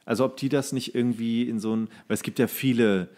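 A man's voice: medium pitch, steady tone, quick pace, a little mellow. A man co-hosting a podcast, telling rambling anecdotes in casual, comedic chat and acting out quotes. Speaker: podcast co-host.

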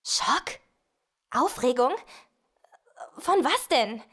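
Excitable, very high-voiced young woman. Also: drawn-out words, slightly rough, heavily acted. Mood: worried. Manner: dramatic, emotional. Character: excitable, anxious young party girl. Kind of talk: horror audio drama acting.

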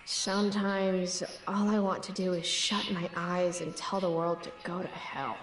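A woman voicing a sardonic, rebellious teenage girl in a video game, speaking in a low, weary voice. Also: fairly even intonation, a little slow, far from the mic, lightly acted. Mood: brooding. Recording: roomy game audio heard from afar.

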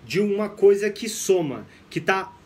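A young man from Brazil teaching English on a live stream, lively, mixing English phrases into his explanations. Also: high voice, a little slow, a little hiss or hum.

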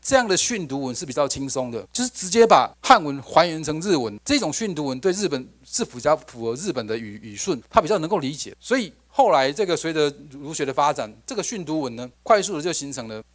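A man's voice: fairly high pitch, big pitch swings, fast talker. A man giving an academic lecture, conversational, often asking the audience rhetorical questions and restarting his phrases. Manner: frequent restarts and fillers like OK.

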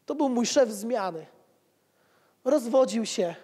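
A man's voice: very high-pitched, animated, slow, dark tone, husky. Man preaching in a reverberant hall. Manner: rhetorical repetition, conversational asides. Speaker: pastor. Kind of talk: sermon. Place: church hall with pews. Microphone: handheld mic.

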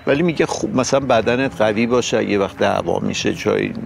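A man hosting a casual comic chat, calm and agreeable with some light teasing. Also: fairly low pitch, vocal fry, slight background noise. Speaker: host.

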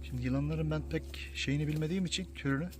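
Sex: man. Role: vlogger filming outdoors. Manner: soothing, hushing. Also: fairly high pitch, fast, slight background noise. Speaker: wildlife vlogger. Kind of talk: casual outdoor filming commentary. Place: outdoors in rural countryside.

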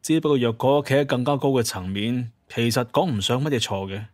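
A man playing a level-headed master hunter and clan leader in an audio drama, speaking in a measured, explanatory way. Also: mid-range voice, darkish tone, natural voice. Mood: calm, reasoning.

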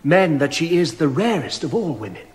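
An actor playing a deferential court servant in a radio drama, full of admiration. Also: male voice, fairly high pitch, sing-song, normal speed.

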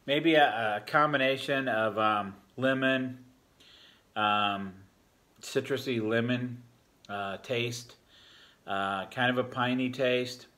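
A man's voice: medium pitch, takes it slowly. Rambling middle-aged man reviewing beer. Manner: relaxed, rambling, many fillers. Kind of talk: casual beer review vlog. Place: home bar room, indoors. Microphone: fixed camera at a table.

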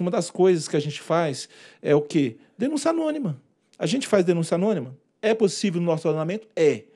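A man's voice: on the high side, warm tone. A man giving an informal lecture on workplace harassment law, acting out quoted dialogue and pointing to slides. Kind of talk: informal presentation to an audience.

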